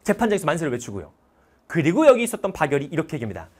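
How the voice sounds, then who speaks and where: Guy teaching history, high voice, very expressive, tells it like a story and keeps asking the class stuff. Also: very fast. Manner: dramatic storyteller, quizzes listeners with questions. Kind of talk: lively lecture retelling a film.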